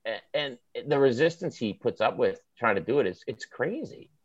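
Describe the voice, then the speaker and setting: A man with a Maritime Canadian accent talks sports in an emphatic, down-to-earth way, firing off short, opinionated phrases. His voice sits at a middle pitch. The sound is dry and slightly muffled. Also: expressive, moderate pace, breathy edge, no room sound. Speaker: author and podcast guest. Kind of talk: animated opinionated sports chat.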